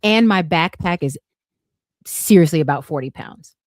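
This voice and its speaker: A middle-aged woman telling a lively story as a guest in a casual podcast chat, with sudden bursts of excitement. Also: on the low side, moderate pace, dry recording, clean studio sound. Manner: animated, vivid retelling with bursts of excitement.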